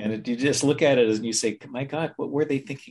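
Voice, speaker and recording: A man's plain, everyday voice, medium in pitch, at a fairly quick pace. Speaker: podcast co-host and radio columnist. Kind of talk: casual chat.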